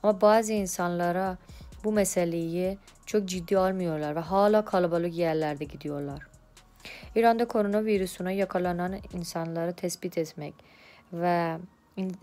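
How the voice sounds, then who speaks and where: Woman, Iranian accent, foreigner's broken Turkish, a bit low-pitched, prepared report, light music behind. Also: steady tone, normal speed, dark tone.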